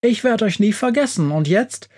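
A man voicing a big, hairy, soft-hearted male monster who loves fancy shoes, in a children's audio story. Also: high voice, normal speed, breathy edge, pitched above the performer's own voice. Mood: touched. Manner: bashful, excitable, tearful.

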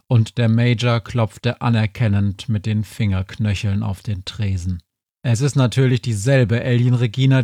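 A man reading a humorous story aloud, lively, putting voices to the characters. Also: mid-range voice, no echo, studio quality. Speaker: narrator.

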